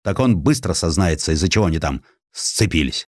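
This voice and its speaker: A scornful old-regime gendarme general, voiced by a male narrator. His speech is low, blunt and colloquial, mocking, in a close dry recording. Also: lively intonation, fairly quick, darkish tone, breathy edge, no echo.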